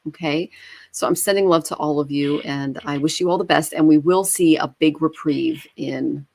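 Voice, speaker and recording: A woman's voice: deep voice, normal speed, creaky, a little mellow. A woman giving a live online tarot reading, speaking reflectively with many fillers. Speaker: tarot reader.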